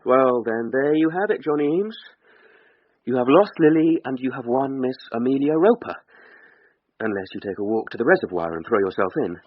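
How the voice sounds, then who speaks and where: A man's voice: medium pitch, expressive, fairly quick, lightly acted. A man playing a desperate lovesick young clerk. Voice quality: anguished and fretful. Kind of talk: radio drama monologue. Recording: dull radio recording with faint music.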